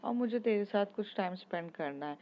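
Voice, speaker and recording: A woman's voice: mid-range voice, animated, brisk, highs cut off, slight background noise, close to an everyday voice. A woman voicing Anu, a loyal young woman friend who scolds and bosses her friend around. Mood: pleading. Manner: scolding, bossy.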